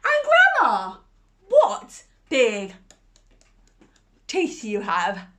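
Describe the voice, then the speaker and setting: A woman voicing a small, innocent girl in a red hood in a storybook reading, in a high, sweet, wide-eyed way. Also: huge pitch swings, very slow, pushed and bright, full character voice.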